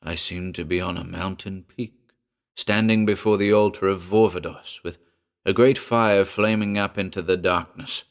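A man's voice: low-pitched, slow, creaky, a bit bright, exaggerated voice. A man voicing a haunted, muttering man in a trance. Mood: dreamy. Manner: muttered, dreamy and guttural in trance. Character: shaken man slipping into trance memories. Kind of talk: audiobook dialogue reading.

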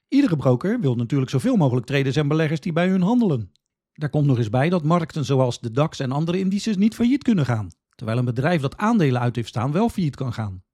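A man's voice: on the high side, mellow, slightly rough. A man from the Netherlands, hosting a podcast with scripted, instructional explanations addressed directly to the listener. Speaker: podcast host.

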